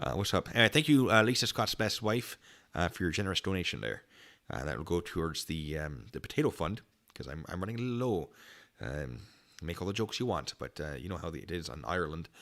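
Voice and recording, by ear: In a put-on character voice with an Irish accent, a man talks at a very fast pace, his very deep, raspy voice making very wide pitch swings.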